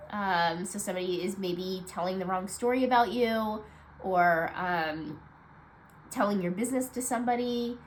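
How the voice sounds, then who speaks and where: A woman with a stuffed-up, nasal voice giving a casual weekly card reading, low on energy and rambling with many fillers. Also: moderate pace, slight background noise, rough recording. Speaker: tarot card reader.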